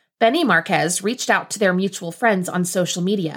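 A woman speaks at a moderate pace in an ordinary speaking voice with a medium pitch. The recording is very clean, with a silent background. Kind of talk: true-crime narration. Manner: measured, serious storytelling tone; formal, scripted-sounding, even pacing.

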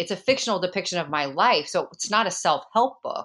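An unremarkable speaking voice, a woman with lively intonation over a quiet background. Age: 50s. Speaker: model and breast cancer survivor. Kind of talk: testimony.

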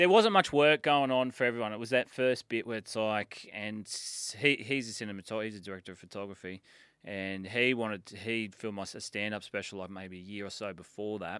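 In an Australian accent, a man talks at a fairly quick pace with a bright, sharp tone, recorded dry and close with no echo. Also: very clean recording, silent background. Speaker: comedian and electrician. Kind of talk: casual chat. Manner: laid-back, halting; distinctive way of speaking.

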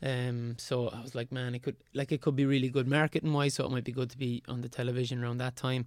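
A man's medium-pitched voice in an Irish accent, very fast with hardly any pauses, monotone, flat intonation, on a very clean recording with a silent background. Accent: Roscommon Irish, noticeable. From Roscommon, Ireland. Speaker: circus artist and aerial teacher. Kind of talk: casual interview chat. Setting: studio.

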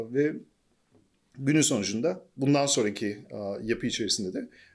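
A very clean recording with a silent background, moderate pacing and lively intonation. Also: man. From Germany (Nuremberg area). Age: 40s. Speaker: startup CEO. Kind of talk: interview.

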